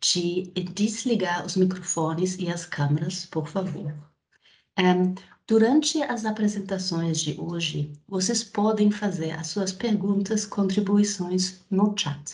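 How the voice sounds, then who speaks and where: A woman with a German accent speaks at a very slow pace in a somewhat breathy, medium-pitched voice with ordinary pitch variation. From Germany. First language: German (speaking Portuguese). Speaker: project director and webinar moderator. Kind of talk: webinar moderation. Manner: halting, many fillers.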